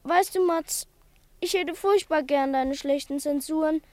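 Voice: sits high, unhurried, darkish tone, no echo. A performer playing a small, timid schoolboy who blames himself, speaking earnestly and confidingly in a children's radio play. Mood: ashamed, earnest.

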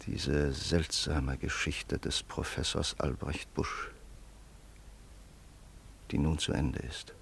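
An actor playing a grave, reflective family friend who narrates in a solemn, measured way in a radio drama. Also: male voice, very deep voice, level tone, vocal fry, slight background noise, exaggerated voice. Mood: solemn, elegiac.

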